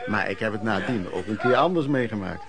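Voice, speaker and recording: An actor playing an earnest, aghast storyteller narrating lodging-house memories in a radio play. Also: male voice, lowish voice, expressive, a little fast, gravelly. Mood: confiding. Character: male storyteller recalling lodging-house misery, shocked and earnest. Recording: crowd noise behind the voice.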